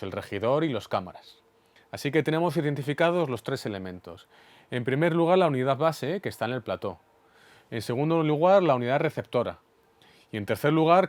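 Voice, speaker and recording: A man with a Spain Spanish accent teaches in a didactic, orderly manner. His voice sits at an average male pitch. The sound is dry, with very little room around it, as he walks the listener through a demonstration. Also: dry recording. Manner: clear, methodical, didactic. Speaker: instructor explaining studio equipment. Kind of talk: instructional demonstration.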